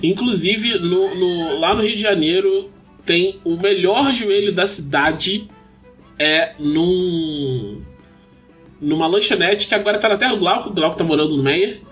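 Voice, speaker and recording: A man hosting a podcast, telling stories in a casual, animated way and laughing often. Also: high-pitched, measured pace, faint music behind. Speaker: podcast host. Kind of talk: casual chat. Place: lives in São Paulo.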